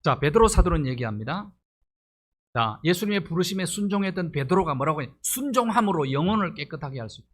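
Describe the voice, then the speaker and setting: A man's voice: fairly high pitch, lively intonation, fast talker, a bit bright. A middle-aged male pastor delivering a sermon, pressing his points with rhetorical questions and rising emphasis.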